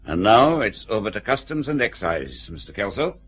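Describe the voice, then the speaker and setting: An actor playing a brisk, impatient senior police officer. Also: male voice, on the low side, big pitch swings, fairly bright tone, husky, full character voice. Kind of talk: radio drama acting.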